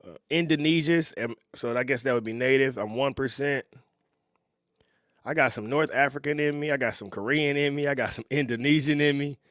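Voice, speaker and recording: A man in his thirties hosting a reaction video, talking in a relaxed, conversational way and often chuckling. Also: medium pitch, brisk, no echo, studio quality. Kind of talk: casual reaction commentary.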